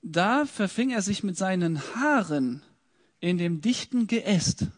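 A man's voice: high-pitched, animated, slow. A man teaching from the Bible, reading verses aloud and then retelling them in casual words with questions to his listeners. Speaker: preacher.

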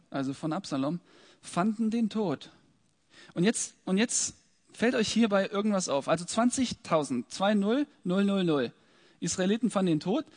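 A man teaching from the Bible, reading verses aloud and then retelling them in casual words with questions to his listeners. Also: high voice. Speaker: preacher.

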